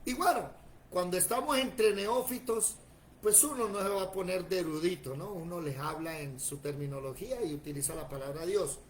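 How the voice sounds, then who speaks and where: Animated high-voiced male Bible teacher. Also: normal speed, slight background noise, low-quality recording. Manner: animated, plain-spoken, asks the class questions. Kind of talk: Bible class lecture.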